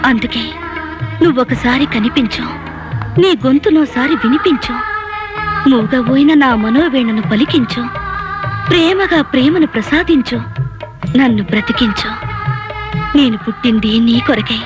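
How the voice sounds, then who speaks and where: A woman's voice: high-pitched, normal speed, pauses often, lightly acted. An actress playing a lovelorn young woman, reciting a love letter in a tender, lyrical way. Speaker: letter reader. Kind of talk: poetic recitation in a film. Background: music.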